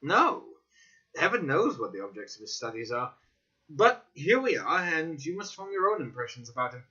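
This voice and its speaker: A man voicing a cautious, wry gentleman companion, explaining emphatically in a dramatic audiobook reading. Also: fairly high pitch, big pitch swings, moderate pace. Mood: earnest. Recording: dull lo-fi recording.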